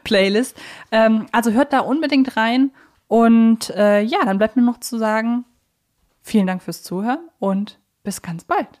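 A woman's voice: on the high side, measured pace, a little mellow. A woman hosting a podcast in a casual, playful chat style. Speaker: podcast host. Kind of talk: casual chat, fan quiz.

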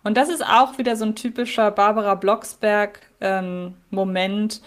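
Woman, podcast co-host, earnest, opinionated, thinks aloud, mid pitch. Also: fairly even intonation, moderate pace. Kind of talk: casual episode discussion.

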